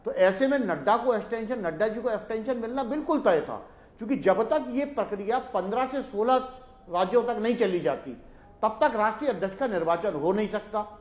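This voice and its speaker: A man speaking as a journalist on a TV panel, giving calm political analysis. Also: high-pitched, reverberant. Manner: measured, addresses the host by name often.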